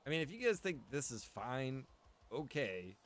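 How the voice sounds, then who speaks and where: A man's voice: medium pitch, sing-song, moderate pace. A man giving casual, rambling livestream commentary while gaming, repeating phrases for emphasis. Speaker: game streamer and roleplay server co-owner.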